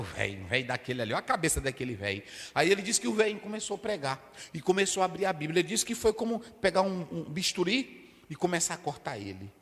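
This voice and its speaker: Fiery Brazilian pastor, high lively voice. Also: male voice. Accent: Brazilian Portuguese. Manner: emphatic, swings from hushed to shouting, acts out quotes. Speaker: pastor teaching a Sunday school class. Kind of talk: fiery preaching lesson. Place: church hall. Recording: reverberant church hall.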